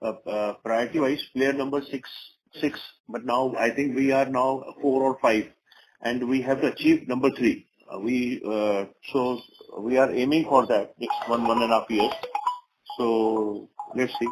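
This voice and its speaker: A man's voice: mid-range voice, steady tone, measured pace. A man with an Indian accent answering investor questions as a company executive on a conference call, often repeating words for emphasis. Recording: noisy conference phone call.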